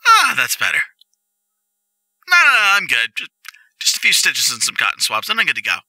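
Man playing an excitable himbo jock boyfriend, wildly animated. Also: medium pitch, a little fast, no room sound, heavily acted. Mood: upbeat, reassuring. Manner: eager, rambling, stammering. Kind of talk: boyfriend roleplay ASMR audio drama.

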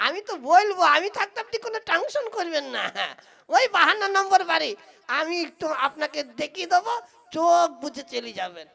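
A woman's voice: extremely high pitch, animated, a little fast, creaky, a bit bright, full character voice. A woman playing a cheeky, greedy male tea seller who stalls and teases in an exaggerated comic puppet play. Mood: teasing, stalling. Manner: exaggerated, teasing, long-winded.

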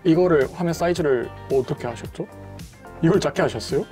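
A man's voice: a little high, fairly quick, darkish tone. Young man explaining casually, music behind. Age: young adult. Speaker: streaming setup technician. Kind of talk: casual explaining while working. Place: small bedroom studio, indoors.

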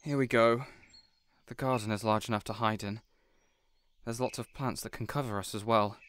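A man playing an anxious, well-meaning but inept young would-be supervillain in an audio roleplay, flustered and quick to blame himself. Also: lowish voice, fairly even intonation, fairly bright tone, slight background noise, natural voice. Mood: panicked, hushed. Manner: flustered, self-blaming, urgent.

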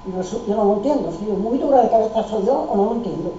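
An older woman tells her family's story emphatically, restarting her sentences and taking on each person's lines. Her voice is dark and mellow. The sound is dull and lo-fi, full of room echo and picked up from some distance. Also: medium pitch, fast talker, slight background noise. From Spain. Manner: emphatic, restarts often, acts out dialogue. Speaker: oral history participant. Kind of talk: recounting family memories. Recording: roomy, distant, dull lo-fi recording.

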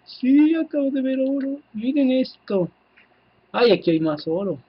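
A man with a Mexican accent giving casual, excitable gameplay commentary, swearing freely and talking to his viewers. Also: very high voice, measured pace, breathy edge, dull audio. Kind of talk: casual let's-play commentary.

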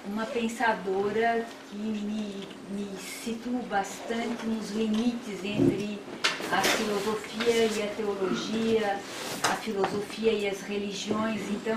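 An older woman from Brazil with a Brazilian Portuguese accent, giving an academic lecture in a seminar room in slow, measured, reflective phrasing. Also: mid-range voice, far from the mic. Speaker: guest lecturer. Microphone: far room camera. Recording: echoey room from afar, background noise.

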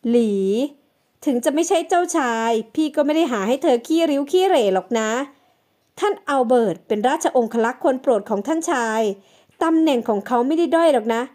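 A woman's voice: high-pitched, expressive, a little fast, dark tone. A woman reading the part of a scheming older woman in an audio novel, coaxing and pleading.

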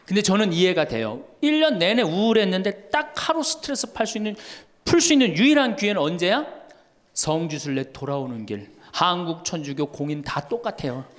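Man, middle-aged, Catholic priest, humorous lecture, storytelling, fairly high pitch. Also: big pitch swings, fairly quick. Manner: storytelling, acts out quoted voices, laughs along.

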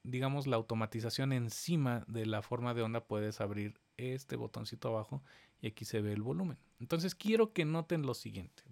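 A man, giving a step-by-step screen-recorded software lesson and talking straight to his viewers. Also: medium pitch, gravelly. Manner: explains step by step, addressing viewers directly. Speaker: instructor.

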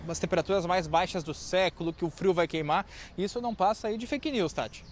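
Upbeat high-voiced male field reporter. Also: fairly quick, slight background noise. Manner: upbeat, chatty. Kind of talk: live outdoor news report. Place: outdoors on a city street. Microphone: handheld reporter mic.

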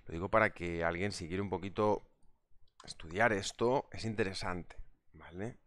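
Chatty man, smooth low voice. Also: normal speed, fairly bright tone, dry recording. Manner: chatty, reads out viewer comments. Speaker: trading instructor. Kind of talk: live market analysis webinar.

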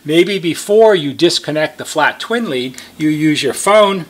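An American man in middle age speaks in a slightly high register for a male voice. He explains a technical job as a repair technician would, going methodically step by step and spelling out the reason for each one. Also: lively intonation, a little slow. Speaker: repair technician giving instructions. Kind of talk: step-by-step how-to demonstration.

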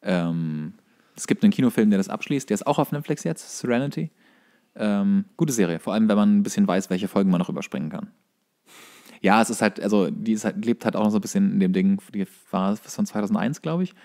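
A man's voice: fairly low pitch, quick pace, dark tone. A man, a podcast co-host, chatting casually about films and series. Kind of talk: casual film and series chat.

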